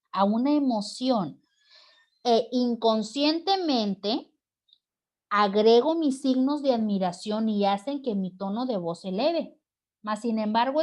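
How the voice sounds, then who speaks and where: Her voice fairly high and darkish, a Mexican woman explains her lesson step by step in a recorded online class. "¿Ok?" and "¿sí?" come up often as she checks in with students.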